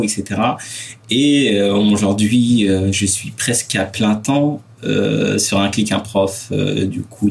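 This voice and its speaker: A young man in his twenties with a low, gravelly voice. He answers interview questions haltingly, filling pauses and restarting his sentences. He sits a little away from the microphone, so he sounds somewhat distant. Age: 20s. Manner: hesitant, with many fillers and restarts. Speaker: podcast guest, student entrepreneur.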